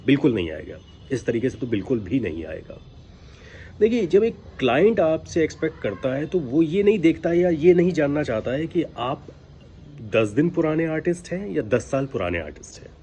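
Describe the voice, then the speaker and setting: Man, lively swooping intonation, emphatic admonishing coach, informal lesson, faint background noise. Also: medium pitch. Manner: admonishing, emphatic, rhetorical questions. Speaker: voice-over coach. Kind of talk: informal instructional talk to aspiring voice artists. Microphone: built-in device microphone, no mic attached. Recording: background noise, recorded without external microphone. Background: ambient noise from outside.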